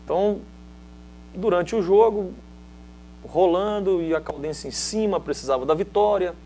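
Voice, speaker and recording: A man's voice: high voice, normal speed, a little hiss or hum. A middle-aged man from Minas Gerais with a Mineiro accent, a former footballer telling anecdotes in a casual interview and acting out other people's lines. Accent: Mineiro Brazilian Portuguese. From Minas Gerais, Brazil. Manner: lively storyteller who acts out other people's lines.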